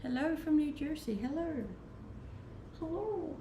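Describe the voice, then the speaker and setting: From her rented home, a woman from Denmark chats on a livestream, reading out and responding to viewer comments with frequent laughter in her Danish accent. She has a high voice and speaks a little slowly. The recording carries roomy echo and background noise.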